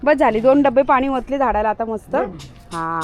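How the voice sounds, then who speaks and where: High-voiced woman vlogging with her dog. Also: animated, normal speed. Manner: scolding and shooing the dog, loud calls. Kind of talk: casual pet vlog.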